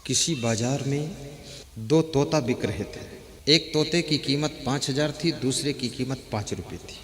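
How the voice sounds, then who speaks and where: A man giving a sermon, telling a story and rising to forceful exhortation. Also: medium pitch, unhurried. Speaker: spiritual teacher. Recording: long hall reverb.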